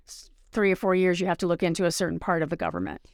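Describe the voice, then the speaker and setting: A woman's voice: lowish voice, fairly even intonation, very fast, darkish tone, no echo, studio quality. A woman co-hosting a podcast, asking questions and joking lightly in casual chat. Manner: asks questions, jokes lightly. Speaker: podcast co-host.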